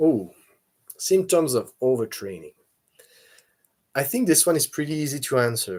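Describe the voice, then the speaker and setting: Speaking at a moderate pace with a French accent, a man uses a fairly high pitch with very wide pitch swings and long, frequent pauses. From French-speaking Europe. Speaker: fitness youtuber. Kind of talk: live Q&A stream. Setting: live stream, home. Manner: halting.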